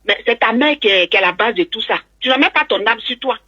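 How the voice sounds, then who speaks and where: A woman's voice: on the high side, expressive, fast talker, bright, forceful tone, husky, lo-fi sound. A woman calling in to a talk show, recounting a personal story and acting out both sides of a conversation. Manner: acts out both sides of a dialogue. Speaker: caller.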